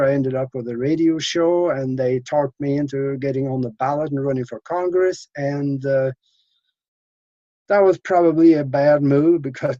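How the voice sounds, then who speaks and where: A man's voice: mid-range voice, warm tone, dry recording. Older man from Norway, interview guest, rambling, dull muffled sound, dry. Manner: rambling, many fillers and restarts. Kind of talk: casual interview storytelling.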